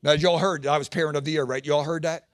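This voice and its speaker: A man in his sixties with a high voice performs a Christian stand-up routine, acting out his stories with shouts and funny voices. The sound is close and dry. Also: quick pace, no room sound. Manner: animated storytelling with acted-out voices and shouts. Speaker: Christian comedian. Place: large event hall with an audience.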